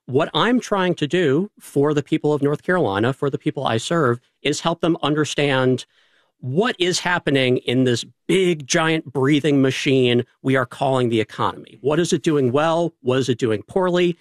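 A man with a New York accent, a state economist giving measured, articulate explanations on a radio panel. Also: a little high, no room sound. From New York City. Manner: articulate, deliberate, uses rhetorical questions.

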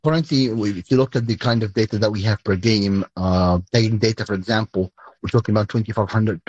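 A man's voice: lowish voice, quick pace, darkish tone, husky, no echo, highs cut off. A man, answering news interview questions, hesitant with many fillers and restarts. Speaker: interviewed sports executive.

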